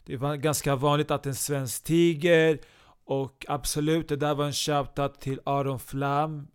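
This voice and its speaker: Man playing a young woman guest, breezy, unbothered, flat delivery, smooth voice, comedy podcast sketch. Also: on the high side, natural voice.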